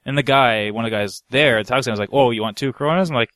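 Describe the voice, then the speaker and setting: A man's voice: mid-range voice, racing, fairly bright tone, no echo. A male podcast co-host with a mid-range voice rambles through casual stories. His talk is slangy and loose, and the recording is close and dry. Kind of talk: casual anecdote-telling chat.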